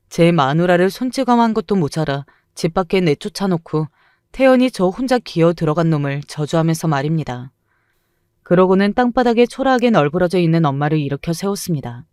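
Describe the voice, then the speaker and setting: A woman's voice: deep voice, a little mellow, clean tone, no room sound, studio quality. Indignant woman narrating a dramatic true story.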